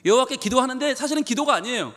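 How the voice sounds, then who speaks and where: High-voiced pastor preaching in a hall. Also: male voice, lively intonation, racing, a bit bright. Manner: emphatic preaching, voicing Jonah's complaints with rising pitch. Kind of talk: sermon. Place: church sanctuary.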